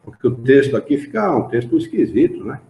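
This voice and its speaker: Here the Brazilian-accented leader of a spiritist study class speaks a little fast in a sing-song, medium-pitched voice, explaining texts and tossing rhetorical questions to the group. A slight hiss or hum colors the roomy, dull lo-fi recording from a study association's meeting room.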